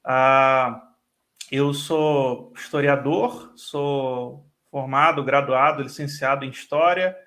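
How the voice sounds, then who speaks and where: A guest professor from Brazil with a carioca Rio de Janeiro accent speaks fluent Brazilian Portuguese in a live online interview, explaining things and often tagging sentences with "né". His medium-pitched voice is sharp, fairly even and slow.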